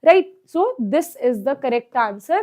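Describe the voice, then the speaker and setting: Speaking in a high, sing-song voice with a darkish tone, this South Asian-accented woman takes her time as she teaches a chemistry exam problem. She goes step by step, frequently pausing on brief questions to confirm her students are keeping up.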